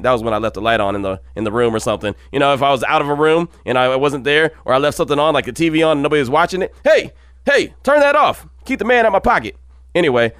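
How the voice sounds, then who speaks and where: A man's voice: on the high side, fairly bright tone, clear, resonant tone, no echo, studio quality. A man in his early forties hosting a sports podcast, chatty and slangy, speaking casually and directly to his listeners. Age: early 40s. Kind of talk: casual solo podcast talk with host-read ads.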